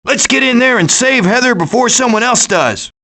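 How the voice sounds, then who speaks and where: A man voicing a cocky, wisecracking raccoon who leads a band of foraging animals, with glib, sarcastic delivery in an animated video game style. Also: very high-pitched, normal speed, vocal fry, heavily acted. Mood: urgent, bossy.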